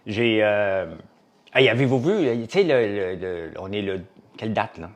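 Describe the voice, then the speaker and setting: A man with a Québécois French accent chats casually to a live audience in a lowish voice. He rambles and jumps between topics, leaning on fillers. He sounds like a farmer and business owner talking off the cuff. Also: lively intonation, unhurried, a little hiss or hum.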